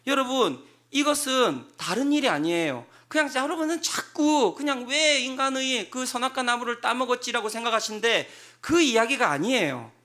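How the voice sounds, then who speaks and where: A man preaching a revival sermon as pastor, acting out biblical speakers in dramatic voices and rising to loud emphasis. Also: extremely high pitch, animated, moderate pace, few pauses. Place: church sanctuary.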